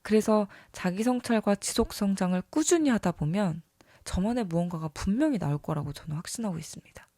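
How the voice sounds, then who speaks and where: A vlogger talking casually and reflectively about themselves, earnest and openly enthusiastic, with a creaky edge to the voice. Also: medium pitch, lively intonation, fairly quick, mellow, no echo, studio quality. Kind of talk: casual reflective self-talk to camera or mic.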